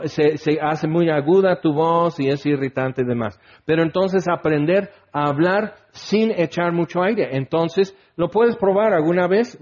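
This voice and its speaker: A man with a Mexican Spanish accent teaching from the Bible in a loose, chatty tone, his voice sitting a little high for a man. He talks as if to friends. The recording sounds dull and lo-fi. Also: darkish tone. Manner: conversational, acts out quoted people with a raised voice. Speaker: preacher.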